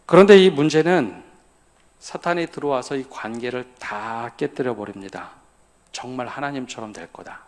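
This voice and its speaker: A man's voice: mid-range voice, a little mellow. Pastor asking his congregation questions. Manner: keeps asking the congregation questions and answering them. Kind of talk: sermon. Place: church at a midweek prayer service.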